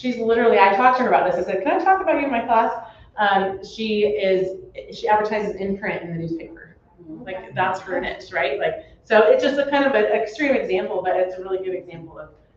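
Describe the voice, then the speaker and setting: A woman at a medium pitch races along at a very fast pace with lively intonation, with noticeable background noise and audible room echo around her. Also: big swings in loudness. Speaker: mortgage lender, seminar presenter. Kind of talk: seminar presentation. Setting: live seminar with audience. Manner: animated.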